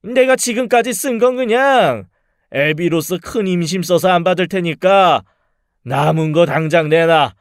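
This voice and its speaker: A man's voice: sits high, a little slow, no room sound, clean studio sound. A man playing a menacing, money-grubbing father in an audio drama, coarse, mocking and bullying in manner. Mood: sneering, demanding. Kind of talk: dramatized audio story acting.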